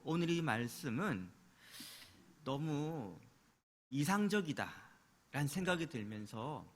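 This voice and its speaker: A man's voice: a little high, fairly bright tone. A man preaching a sermon as pastor, telling a story, acting out the quoted voices and putting rhetorical questions to his congregation.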